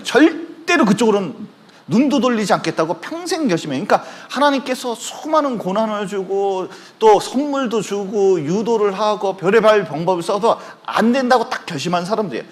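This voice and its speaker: A male pastor preaching a sermon in a church, telling stories and acting out the voices of the people in them. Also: sits high. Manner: animated storytelling, acting out quoted voices. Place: church sanctuary.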